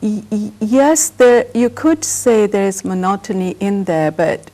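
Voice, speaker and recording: A woman artist from Pakistan, a native Urdu speaker, answering interview questions in a reflective, soft-spoken way. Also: medium pitch, slow pace.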